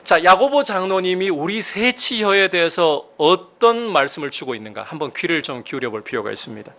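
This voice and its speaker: Animated preaching pastor, high and lively. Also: male voice, brisk. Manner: emphatic preaching with sudden rises in pitch and volume; asks the congregation questions. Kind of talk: sermon.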